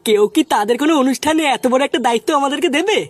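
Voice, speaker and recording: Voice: sits high, animated, racing, no echo. A performer voicing an easygoing, practical young village man in a comic cartoon, colloquial and doubtful. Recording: background noise with chirping birds.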